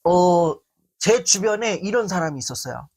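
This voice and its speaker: A male lecturer talks through a listener's worry with a husky edge to his voice. His pitch rises and falls freely as he slips in and out of acted-out quotes. The delivery is conversational and expressive. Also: moderate pace. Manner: animated, acts out quoted speech. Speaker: lecturer answering a viewer's letter. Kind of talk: talk-show style self-esteem lecture.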